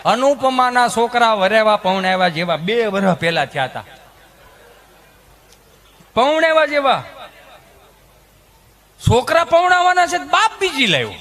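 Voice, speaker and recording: A male stand-up comedian with a Kathiawadi Gujarati accent, storytelling with lots of animation. His voice is very high and bright, with a sharp edge. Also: unhurried, pauses often, a little hiss or hum. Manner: animated, mimicking people in his stories.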